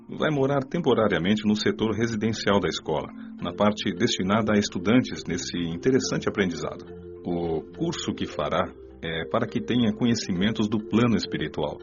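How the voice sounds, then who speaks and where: A man with a Brazilian accent playing a kindly, instructive spirit mentor in an audio drama, explaining in measured phrases. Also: lowish voice, highs cut off. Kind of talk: audiobook radio drama dialogue.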